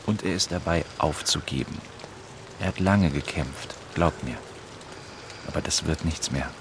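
Radio drama male stranger: deep, gravelly, deadpan, unsentimental realist, rain behind him. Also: noisy background. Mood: deadpan, resigned. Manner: deadpan, blunt, unhurried. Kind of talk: naturalistic German radio drama acting.

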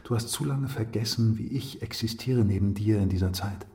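An actor playing a calm, stern and rational male companion in a literary radio drama, measured and admonishing. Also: lowish voice, natural voice. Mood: calm, probing.

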